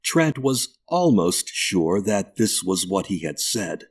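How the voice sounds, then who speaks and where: A man narrating a ghost story audiobook in a measured, deliberate way. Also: deep voice, big pitch swings, breathy edge.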